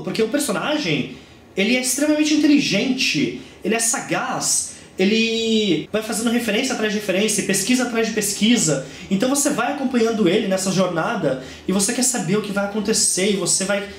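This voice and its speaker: A man's voice: sits high, lively intonation, fairly quick, roomy sound, a little hiss or hum. A young man in his twenties with a Brazilian Portuguese accent, chatting enthusiastically through a casual book review. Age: 20s.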